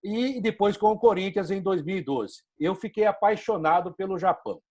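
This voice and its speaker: A male host with a Brazilian Portuguese accent chats on a sports talk show. His voice sits a little high, and he builds his opinions in long, fluent stretches. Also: animated, moderate pace, darkish tone. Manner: opinionated, flowing commentary. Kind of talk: casual interview chat.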